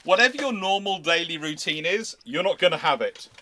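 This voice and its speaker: A man's voice: high voice, expressive, brisk, bright, forceful tone. A man hosting a casual live question-and-answer chat, talking in a rambling, digressive way. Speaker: host of a live naval history Q&A.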